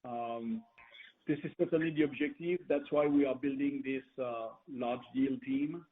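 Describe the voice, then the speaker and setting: A man speaking as a company executive answering questions on an earnings call, often pausing and repeating his words as he rephrases. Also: medium pitch, steady tone. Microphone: conference call line. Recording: tinny, narrow phone conference line.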